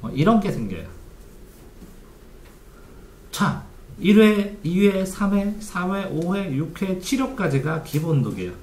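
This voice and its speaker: A male study coach walks through his method step by step, often posing questions and answering them himself. His pitch moves in a lively way. The recording sounds echoey, with faint noise underneath. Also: slow, pauses often.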